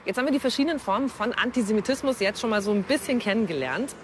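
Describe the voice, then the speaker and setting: A woman's voice: fairly high pitch, animated, racing, music in the background. A woman reporter hosting an educational piece, talking informally to viewers and interviewing a guest. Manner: chatty, informal, addresses viewers. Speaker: reporter and host.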